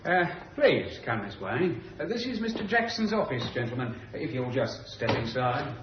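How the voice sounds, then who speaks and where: A man's voice: mid-range voice, big pitch swings, moderate pace, slight background noise, close to an everyday voice. An actor playing a falsely helpful male henchman who talks in an unctuous, overly polite way. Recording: roomy, dull old radio recording.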